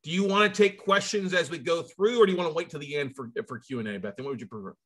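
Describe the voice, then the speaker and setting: A man's voice: fairly high pitch, very fast, a bit bright, breathy edge. An American man in his forties hosting a video-call session in a casual, effusive, rambling and jokey way. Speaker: host of an online conference. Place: indoors, video call with virtual background.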